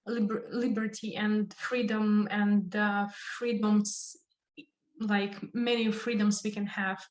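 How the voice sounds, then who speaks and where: Echoey, slow-speaking Ukrainian woman. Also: mid-range voice. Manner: halting, searching for words in non-native English. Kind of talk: earnest impromptu speech in an online discussion. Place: indoors, online video call. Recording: echoey room on a video call.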